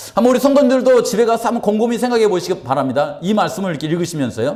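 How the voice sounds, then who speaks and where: Audible room echo surrounds a man speaking in a high voice. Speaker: pastor. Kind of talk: sermon. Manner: conversational, rhetorical questions to congregation.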